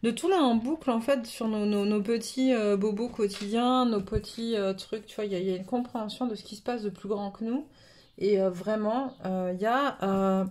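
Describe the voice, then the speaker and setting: A woman's voice: medium pitch, normal speed, darkish tone. A woman with a cold, giving a casual spiritual card reading, rambling with many fillers and restarts. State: has a cold. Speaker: tarot reader. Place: home table, camera above the cards.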